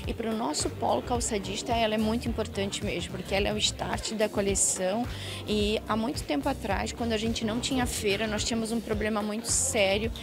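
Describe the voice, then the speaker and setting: A woman's voice: mid-range voice, fairly even intonation, brisk, rough recording. A woman speaking earnestly in an interview about her industry. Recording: clear music under speech.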